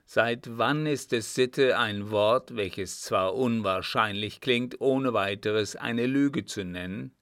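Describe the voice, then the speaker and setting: A man voicing a very old tribal elder who speaks slowly and gravely, gently scolding. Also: mid-range voice, no echo, studio quality. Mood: grave, reproachful. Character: very old male tribal elder, wise and reproachful.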